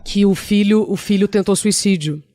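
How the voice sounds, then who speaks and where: A woman's voice: medium pitch, moderate pace, mellow, dry recording, clean studio sound. Chatty woman guest, conversational. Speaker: podcast guest, speaker and author. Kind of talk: casual conversation.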